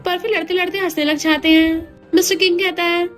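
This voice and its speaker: A woman's voice: very high voice, steady tone, fairly quick, fairly bright tone, soft background music. A woman retelling a drama's plot in a chatty way, mixing in English words. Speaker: drama recap narrator.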